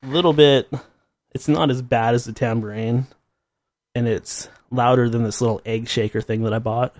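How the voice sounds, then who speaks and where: A man in his thirties talking alone on his podcast, wandering from thought to thought with a self-mocking laugh. His voice sits at an ordinary middle pitch, recorded close and dry with no room sound around him. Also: steady tone, moderate pace, a little mellow, dry recording. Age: 30s. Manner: rambling, self-deprecating, laughs at himself. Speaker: podcast host. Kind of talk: casual solo monologue.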